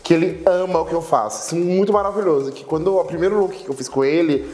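A man's voice: on the high side, quick pace. A man in his twenties from Salvador with a strong Bahian accent, telling stories in a casual interview. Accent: Bahian Portuguese. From Salvador, Bahia, Brazil. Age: 20s. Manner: animated storytelling, gesturing with his hands. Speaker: guest, internet personality. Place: studio room with a sofa, indoors. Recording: echoey room.

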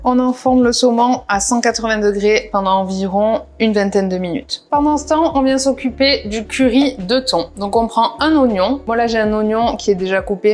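A woman's voice: medium pitch, a little mellow. A woman walking through a recipe step by step in a casual cooking voice-over, with practical asides. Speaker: cooking vlogger. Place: home kitchen.

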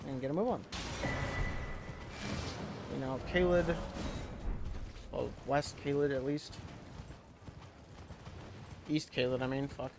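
A man's voice: medium pitch, slow pace, creaky, long pauses, background noise. A man in his twenties casually talking to himself while streaming a game, offhand and mumbly. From United States. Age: 20s. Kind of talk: casual gameplay commentary. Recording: game music underneath.

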